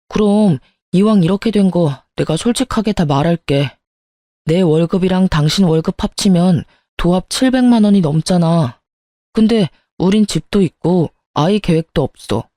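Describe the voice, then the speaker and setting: Brief: female reader playing a grasping husband in an audio drama, dark, dry, sulky, flares up. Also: lowish voice, no room sound, close to an everyday voice. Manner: sulky, accusing, turns to shouting. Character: petty, calculating young husband, quick to anger.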